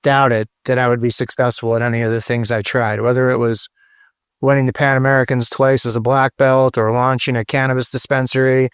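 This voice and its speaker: A man's voice: medium pitch, smooth, no echo, clean studio sound. A middle-aged man, a podcast guest, giving emphatic, profane motivational talk in a casual interview. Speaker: guest, branding strategist.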